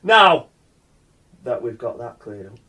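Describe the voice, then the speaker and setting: A man's voice: mid-range voice, sing-song, slow pace, bright, forceful tone, distant mic, exaggerated voice. A man playing a smug, foul-mouthed, sarcastic dead man in a radio play.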